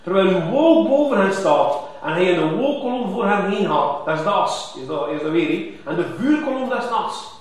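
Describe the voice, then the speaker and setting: A man's voice: sits high, animated, moderate pace, few pauses. A man preaching a sermon, emphatic, with rising exclamations. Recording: echoey church hall from far off.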